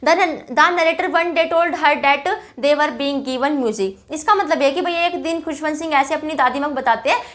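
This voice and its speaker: A young woman teaching an English chapter in Hindi, chatty, calling students "bhai" and checking in with "theek hai", reading English lines slowly before explaining them. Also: high voice, fairly bright tone.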